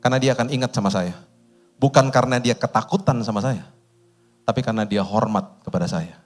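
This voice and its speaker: A man's voice: mid-range voice, a little fast, faint music behind. A middle-aged man preaching a sermon at a church service, telling personal stories and pressing his point with emphasis. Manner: storytelling, tender then emphatic, acts out dialogue. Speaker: pastor. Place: church stage.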